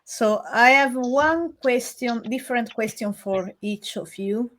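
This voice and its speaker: A woman hosting an interview, asking informal questions in a halting way. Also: on the high side, fairly bright tone. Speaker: interviewer, host.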